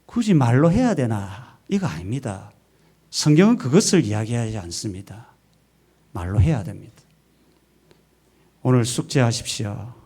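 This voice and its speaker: A male pastor delivers an emphatic Sunday sermon in a church sanctuary. His voice is mellow and sits at an ordinary pitch for a man. He keeps asking rhetorical questions and has the congregation repeat his words back to him. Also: sing-song, normal speed, pauses often, husky. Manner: emphatic preaching with rhetorical questions and call-and-response.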